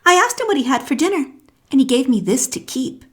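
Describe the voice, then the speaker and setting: A woman's voice: high-pitched, big pitch swings, fairly quick, pitched above the performer's own voice. A woman voicing a polite, eager and cheeky young elephant in a children's story, with an earnest childlike manner. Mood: cheeky, proud.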